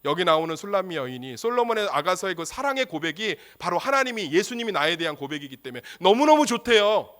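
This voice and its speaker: A man's voice: fairly high pitch, very animated, fast, hardly any pauses, bright, forceful tone. A male pastor preaching a sermon, emphatic and humorous, full of rhetorical questions.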